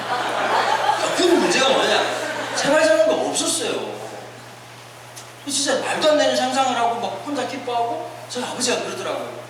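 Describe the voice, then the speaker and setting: Animated man preaching in an echoey hall. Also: very high voice. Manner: animated, humorous storytelling with acted-out quotes. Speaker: pastor. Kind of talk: sermon at a winter retreat, storytelling. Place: church hall. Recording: echoey hall recording from far off, noisy. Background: audience laughter.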